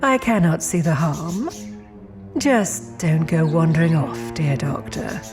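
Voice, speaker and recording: A woman playing a genteel, imperious female demon in an audio drama, speaking formally with cool, measured politeness. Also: low-pitched, animated, over music, full character voice. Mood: gracious, warning.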